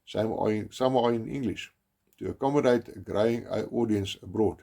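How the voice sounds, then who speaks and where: Solemn South African man narrating, husky. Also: lowish voice, mellow. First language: Afrikaans. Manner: grave, measured, with emphatic stresses and some restarts. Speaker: documentary narrator.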